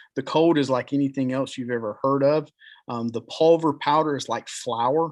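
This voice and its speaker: A man of medium pitch speaks against a quiet background with fairly even intonation. He has a normal speaking voice. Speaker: dental technician presenter. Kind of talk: webinar presentation. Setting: live webinar. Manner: filler-heavy, many ums.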